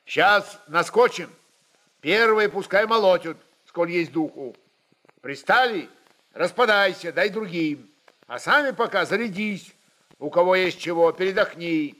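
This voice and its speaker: A man's voice: high-pitched, expressive, measured pace, pushed and bright, heavily acted. A man voicing a hot-tempered Cossack rebel chieftain in an audiobook, barking orders in coarse peasant speech. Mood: rousing, commanding.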